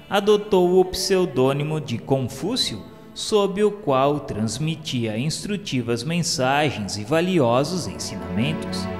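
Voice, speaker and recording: A Brazilian man with a medium-pitched voice reads a scripted radio narration in a solemn, formal, measured manner. The recording has long reverb and music playing behind him.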